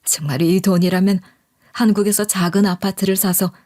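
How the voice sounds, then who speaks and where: A woman's voice: medium pitch, fairly even intonation, normal speed, mellow. A woman reading a scripted first-person life story as a narrator.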